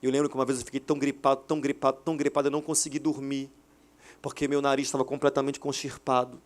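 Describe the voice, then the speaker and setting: A man in his thirties preaching a sermon at a church service, animated, acting out quoted dialogue. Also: mid-range voice, racing. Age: 30s. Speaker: pastor. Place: hotel auditorium church service.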